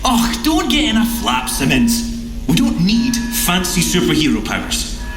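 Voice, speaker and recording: A man's voice: high voice, measured pace, full character voice. A man playing an eager, dreamy young scientist agent with a Scottish accent in an audio drama. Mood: reassuring, keen. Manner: animated, boyishly enthusiastic. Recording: echoey, music bed underneath.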